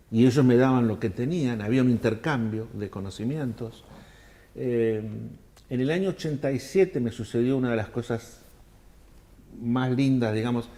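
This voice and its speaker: An older man from Argentina, telling long animated anecdotes in an interview and acting out the people he quotes. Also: mid-range voice. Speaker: world traveler telling his story. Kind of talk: storytelling interview answers.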